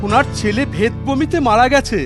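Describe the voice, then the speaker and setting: A man playing a respectful village man in a children's cartoon, pleading in a deferential, animated manner. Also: very high-pitched, a little fast, music in the background.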